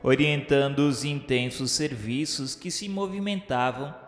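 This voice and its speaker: A man's voice: mid-range voice, a little slow, natural voice. A Brazilian man playing a remorseful male spirit who narrates a radio novela in solemn, formal, literary diction. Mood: solemn, reverent. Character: remorseful male spirit of a suicide recalling the afterlife. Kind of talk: dramatized first-person narration of a radio novela. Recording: echoey hall reverb with music.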